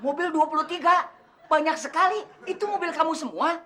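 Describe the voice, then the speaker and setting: A man's voice: very high voice, brisk, a crowd in the background. A fussy old village father. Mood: indignant. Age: older. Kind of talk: sitcom acting.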